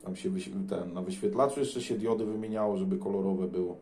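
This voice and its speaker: A man's voice: sits low, fairly even intonation, a little fast, warm tone. A Polish man chatting casually as a CB radio operator, recorded indoors beside his transceiver. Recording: echoey room, faint noise.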